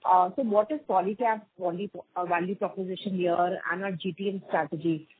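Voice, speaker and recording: A woman's voice: fairly low pitch, steady tone, brisk, breathy edge, no echo. A woman, a financial analyst asking questions on an earnings call. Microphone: phone call. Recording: tinny, dry phone line.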